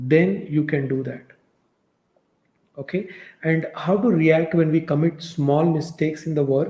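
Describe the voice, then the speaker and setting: A man with an Indian accent speaks at a fairly slow pace in a fairly high pitch, his tone dark and mellow, his intonation fairly even, and his pauses long and frequent. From India, Pune. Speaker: software engineer, career YouTuber. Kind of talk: advice talk to camera. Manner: slow, deliberate.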